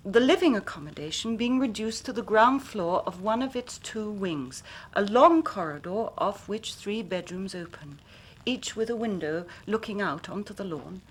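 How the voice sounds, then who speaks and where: An actress playing a grave young Victorian woman who tells her story in measured, formal speech, sometimes dropping to a hushed whisper. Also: mid-range voice, a little hiss or hum, lightly acted. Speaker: client telling her story. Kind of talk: period radio drama acting.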